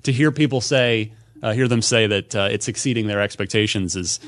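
A man's voice: fairly low pitch, a little fast, a bit bright. Male podcast host thinking aloud. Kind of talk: casual video game news discussion.

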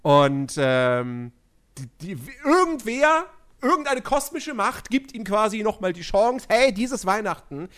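High, lively-voiced man co-host. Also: slow pace, smooth. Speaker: podcast co-host. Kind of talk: casual chat.

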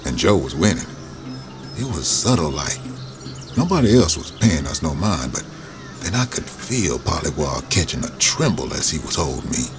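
A man with a very low voice narrates his own past in a reflective, drawling storytelling manner. His pitch still moves expressively, and music plays underneath. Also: big pitch swings, normal speed. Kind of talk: scripted first-person narration.

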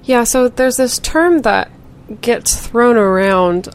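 A woman's voice: fairly high pitch, lively intonation, slow. A woman co-hosting a casual podcast discussion, thoughtful and reflective, laughing lightly now and then. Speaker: podcast co-host.

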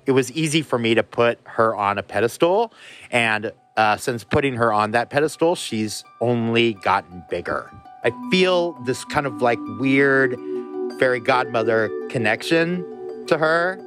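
A man speaking casually in an interview, relaxed and slangy with fillers. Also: mid-range voice, a little slow, faint music behind.

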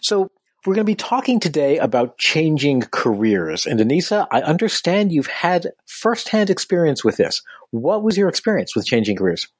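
Lively man hosting a podcast. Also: fairly high pitch, normal speed, slightly rough. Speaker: podcast host. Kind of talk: interview hosting.

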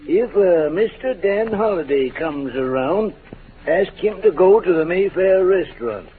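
A man's voice: high voice, expressive, unhurried. A man playing a folksy, wry older stage doorman in a 1940s radio drama. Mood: wry, friendly. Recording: muffled, noisy old radio recording.

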